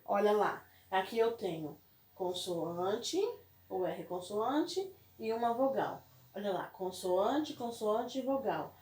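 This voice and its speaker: Brazilian woman, primary teacher, slow patient delivery, echoey room. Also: mid-range voice, a little mellow. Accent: Brazilian Portuguese. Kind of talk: recorded classroom lesson.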